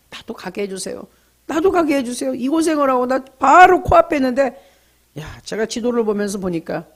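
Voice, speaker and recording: A middle-aged man preaches at a dawn prayer service, his voice sitting high for a man. He swings his delivery up and down, throws questions at the congregation and answers them himself, and slips into short quoted lines. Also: a little mellow. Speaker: pastor. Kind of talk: early-morning prayer sermon.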